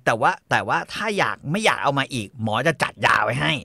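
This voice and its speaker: A man's voice: medium pitch, animated, fast, gravelly, bright, forceful tone, no echo, studio quality. A man in casual chat who tells stories with lots of feeling, swears freely and acts out the people he quotes.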